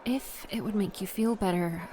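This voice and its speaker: A woman playing a protective, reassuring and quietly suspicious close friend in an audio drama. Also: mid-range voice, moderate pace, close to an everyday voice. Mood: probing.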